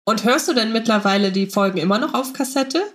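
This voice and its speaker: A woman's voice: a little high, fast talker. A woman hosting a podcast, putting questions to her guests in a casual way. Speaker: podcast host.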